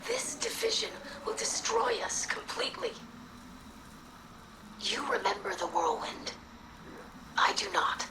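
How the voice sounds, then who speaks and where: A woman playing an earnest young alien scribe in a video game, speaking solemnly and formally in a breathy, creaky rasp. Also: very high voice, huge pitch swings, a little slow, pauses often, noisy background, heavily acted. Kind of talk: video game character acting. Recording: echoing voice with music behind.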